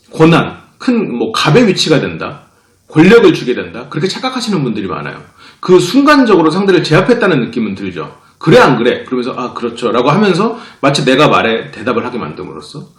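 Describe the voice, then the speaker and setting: A man who runs a psychology talk channel, explaining a point and acting out short quoted lines as he goes. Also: fairly high pitch. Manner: lively, acts out quoted speakers. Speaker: psychology channel director and lecturer. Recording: roomy echo.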